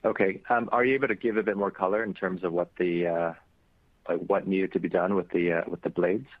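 Low-voiced male analyst on a crackly, tinny phone line, halting and full of restarts. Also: fairly even intonation, no room sound. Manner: hesitant, restarts often. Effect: crackly, static-filled phone line. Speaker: analyst caller. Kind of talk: earnings call questions.

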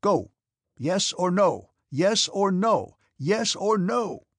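A man reading the part of an irascible old prince who is a domineering father, with a sharp, scornful, shouting manner. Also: a little high, sing-song, normal speed, creaky, slightly rough, no room sound, clean studio sound, pitched above the performer's own voice, exaggerated voice. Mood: angry shouting. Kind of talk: audiobook character reading.

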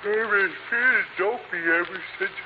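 A man's voice: sits high, moderate pace, lightly acted. A man playing a dim, deferential cab driver sidekick in an old radio drama. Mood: sheepish, woozy. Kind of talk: 1940s radio drama acting. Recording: noisy dull old radio recording.

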